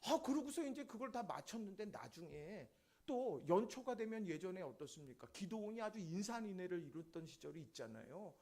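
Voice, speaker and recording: A man's voice: high voice, sing-song, a little fast, darkish tone. A man preaching a sermon in a church, telling a testimony story and acting out the voices of the people in it. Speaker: pastor. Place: church sanctuary.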